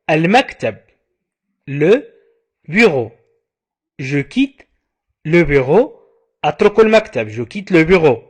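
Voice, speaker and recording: A man teaching a language lesson, saying each phrase slowly over and over, then quickly glossing its meaning. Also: on the high side, slightly rough. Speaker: French teacher. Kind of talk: slow repetition drill with translations.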